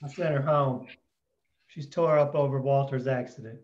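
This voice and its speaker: A man's voice: mid-range voice, fairly even intonation, normal speed, a little mellow, highs cut off, voice pushed up, lightly acted. A man voicing a guarded male shopkeeper with curt replies at a table read.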